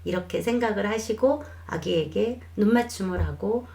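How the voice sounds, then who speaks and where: Woman, parenting lesson, calm and reassuring, gravelly voice. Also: mid-range voice, normal speed. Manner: calm, reassuring explanation with acted quotes of mothers. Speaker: child development expert.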